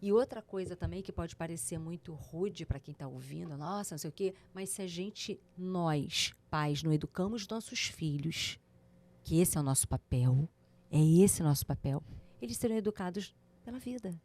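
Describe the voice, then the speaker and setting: A woman's voice: lowish voice, normal speed, darkish tone. A woman co-hosting a podcast, speaking emphatically and repeating her key points. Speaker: podcast co-host. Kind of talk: casual podcast chat.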